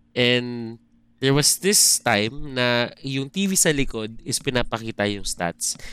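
Bright and sharp in tone, a man with a medium pitch speaks at a fairly slow pace with lively intonation. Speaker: esports caster. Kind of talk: casual chat.

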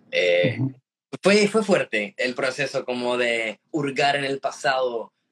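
Speaking at a very slow pace, a man uses a medium pitch with very wide swings. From Chile, raised from age seven, born in Puerto Rico. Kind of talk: interview. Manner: hesitant, repeats words.

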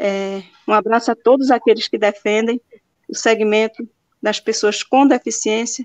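A woman with a northeastern Brazilian accent, fairly high-pitched, at a fairly slow pace with fairly even intonation, in a dry, close sound with no echo. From Brazilian Northeast, Sertão of Pernambuco. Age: 40s. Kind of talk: casual interview.

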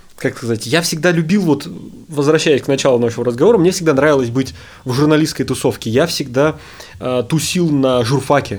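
A man's medium-pitched voice carries lively intonation, with noticeable noise in the background. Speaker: videographer. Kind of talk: casual chat. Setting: studio.

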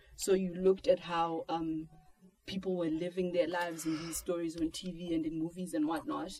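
A woman with a South African accent speaks at a moderate pace, fairly low in pitch, with fairly even intonation. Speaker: writer. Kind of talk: reading aloud and casual chat. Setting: studio.

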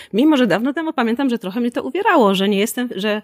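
A woman speaks very fast at a fairly high pitch, her voice swinging very widely in pitch. The sound is dry and close, with no echo. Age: 40s. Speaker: author. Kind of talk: interview.

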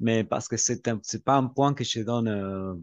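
A man's medium-pitched voice in a Spanish accent at a very slow pace. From Argentina. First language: Spanish (speaking French). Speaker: language teacher. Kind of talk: casual interview. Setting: video call. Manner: halting.

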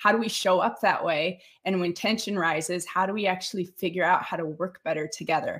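A woman with an American accent and an unremarkable speaking voice, medium in pitch, at a fairly quick pace with fairly even intonation and hardly any pauses. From United States. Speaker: cultural strategist and business coach. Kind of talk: interview.

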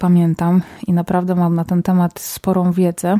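A woman's dark, mellow voice in a monotone, flat intonation at a moderate pace, with a dry, close sound and no echo. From Poland, Silesia (Zabrze). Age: 30s. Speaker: podcast host. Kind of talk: casual solo podcast talk.

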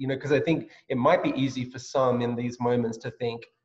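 A man with a medium pitch, somewhat breathy, fairly quick and monotone in flat intonation. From Australia. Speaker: pastor and podcast host. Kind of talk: casual interview conversation. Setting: video call.

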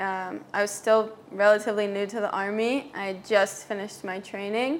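A woman uses an ordinary speaking voice at medium pitch. Her pace is moderate and her intonation fairly even. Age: young. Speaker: soldier. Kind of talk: interview.

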